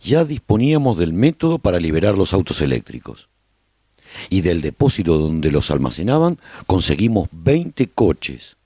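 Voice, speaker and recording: Deep, lively-voiced Spanish male narrator. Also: husky, no echo, studio quality. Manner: measured storytelling, speaks as a survivor addressing listeners. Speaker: narrator of a radio serial. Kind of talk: scripted first-person radio drama narration.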